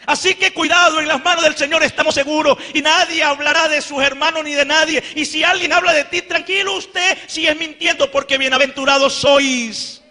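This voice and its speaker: Very high, forceful male preacher in a reverberant hall. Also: fairly even intonation, normal speed, few pauses. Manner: emphatic preaching with rhetorical questions, building to shouts. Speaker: pastor. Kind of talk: sermon.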